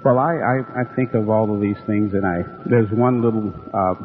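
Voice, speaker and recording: A man hosting a radio interview, stammering through restarts and backing the guest with soft affirmations. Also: on the low side, moderate pace. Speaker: radio host. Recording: tinny phone-like radio with long reverb and faint music.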